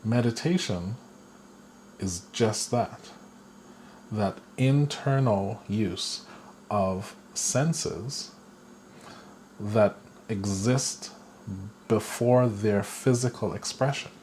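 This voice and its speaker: Male spiritual teacher, unhurried, mid-pitched, faint hiss behind him. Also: a little mellow. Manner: slow, deliberate, with playful chuckles. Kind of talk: guided spiritual lesson.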